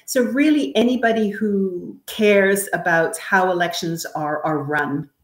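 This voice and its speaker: A woman from Canada speaking as an expert guest, giving measured, careful explanations in an interview. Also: medium pitch. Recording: roomy, echoey sound.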